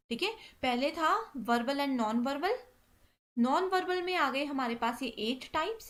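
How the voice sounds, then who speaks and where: A young woman delivers an exam-prep lecture with a high, light voice. She works through the material in a steady explanatory tone, dropping in English terms and pausing on a quick "theek hai" as she moves between points. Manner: repeats "ठीक है" constantly, mixes English terms into Hindi.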